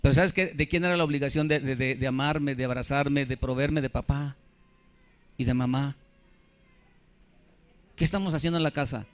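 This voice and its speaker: A man's voice: mid-range voice, moderate pace, long pauses, faint music behind. A man, preaching a sermon as pastor with emphasis, keeps putting questions to the congregation. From Mexico. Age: 50s.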